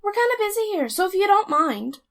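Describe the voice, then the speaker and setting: A woman's voice: extremely high pitch, big pitch swings, brisk, heavily acted. A woman playing an exasperated, determined young office worker in an audio drama. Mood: firm, exasperated.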